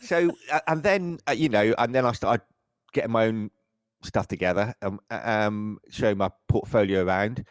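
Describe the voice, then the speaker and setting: Middle-aged english guy, really low voice, rambly and stop-start, dry close sound. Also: normal speed, clean tone, dry recording. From England. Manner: rambling, self-correcting, frequent stammered restarts. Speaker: photographer guest. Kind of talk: casual interview chat.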